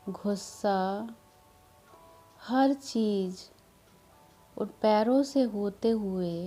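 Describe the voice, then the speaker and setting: A woman guides a relaxation meditation at an extremely slow pace. Her tone is mellow and relaxed, and her delivery is soothing, with long pauses between phrases. Music plays behind her voice. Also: medium pitch. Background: background music.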